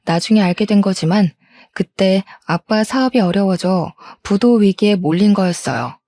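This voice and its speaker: A woman in her fifties narrates a scripted family drama story, sharp and indignant in the quarrels and measured in between. Her voice is dark and mellow, recorded close and dry. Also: medium pitch, no echo.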